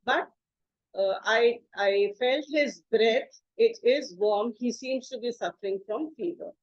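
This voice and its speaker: A woman's voice: on the high side, a little slow, no room sound. Woman teaching a slide lesson, dull mic. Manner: explanatory, spells out words, frequent filler uh. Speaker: English teacher.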